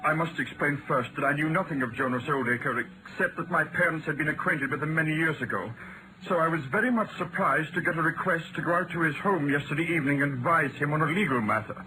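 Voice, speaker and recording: Young solicitor male actor: agitated, stammering, raised pitch, vintage radio mystery acting with heavy background noise. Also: quick pace, natural voice. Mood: earnest, anxious. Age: young adult. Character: anxious young London solicitor wrongly accused of murder. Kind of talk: 1940s-style radio acting. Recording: noisy vintage radio drama recording.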